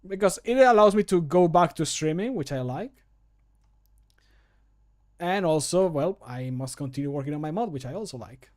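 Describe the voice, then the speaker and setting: A man's voice: on the high side, expressive, moderate pace, pauses often, darkish tone. A man in his thirties chatting casually on a livestream, rambling and self-deprecating, with casual swearing. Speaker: streamer and game modder. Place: small room at home, indoors.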